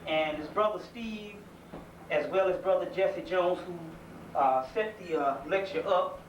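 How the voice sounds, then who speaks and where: A man's voice: high voice, measured pace, dull audio. A man from South Carolina with a Southern accent, giving a folksy, earnest community lecture in a conversational way. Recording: echoey room, mic far off, faint hiss.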